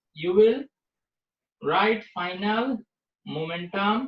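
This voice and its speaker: The speech comes at a very slow pace in a Bengali accent. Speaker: physics teacher. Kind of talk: online class lecture.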